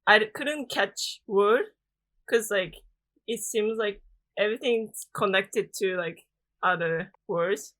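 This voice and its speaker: A woman's voice: mid-range voice, slow pace. Japanese-accented young woman, chatty. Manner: chatty, frequent "like" fillers, soft laughs. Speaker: guest. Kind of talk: casual podcast interview.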